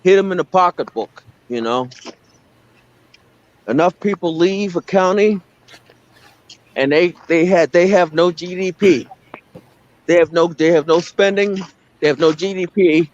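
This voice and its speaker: A man's voice: sits high, a little slow, long pauses, a little mellow. Ranting man with a dull sound. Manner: blunt, colorful rants. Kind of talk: casual live-stream chat.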